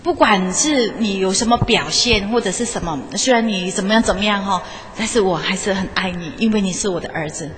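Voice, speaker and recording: A woman voicing an earnest middle-aged father who haltingly and tenderly tells his son he loves him. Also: medium pitch, a bit bright, lightly acted. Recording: echoey hall, faint background noise.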